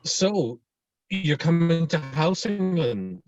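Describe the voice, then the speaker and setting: Using an exaggerated voice, fairly high-pitched with a darkish tone, a man reads slowly and very animatedly in a script table read. His character is a friendly, earnest, sensitive young Swede who is mock-menacing and hesitant, searching for words in a chatty mood. There's no room sound, soft background music plays, and the video-call audio is dull and lo-fi.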